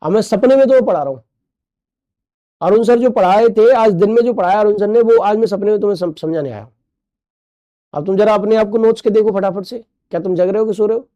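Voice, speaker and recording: A man's voice: sits high, fast talker, dark tone, no echo, dull audio. A male teacher giving a recorded class, playful, repeating key terms and asking the class questions. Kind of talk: recorded online class lecture.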